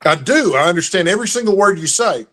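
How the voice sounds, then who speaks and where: A man's voice: sits high, lively intonation, fast, fairly bright tone. A man from East Texas with a thick East Texas drawl, a boastful, joking guest in a casual chat on a video call.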